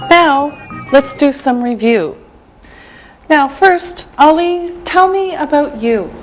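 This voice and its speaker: A middle-aged woman from Canada teaching English in a scripted lesson, pronouncing every word slowly and carefully. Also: sits high, animated, faint music behind. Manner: slow, carefully enunciated.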